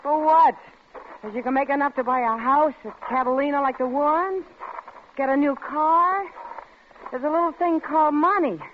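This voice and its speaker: A woman's voice: medium pitch, animated, moderate pace, narrow, tinny audio, lightly acted. Woman acting a sarcastic scolding wife, old radio play, fed up and bitter, noisy old recording. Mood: angry, scornful. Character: bitter, nagging, money-hungry discontented wife. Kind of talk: 1940s-50s radio drama acting.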